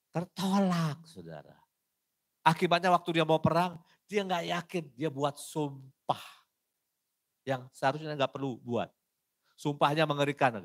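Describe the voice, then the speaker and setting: A man with an Indonesian accent preaching a sermon, switching between loud emphasis and quiet asides and acting out little dialogues. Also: medium pitch, no echo. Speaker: evangelist preacher.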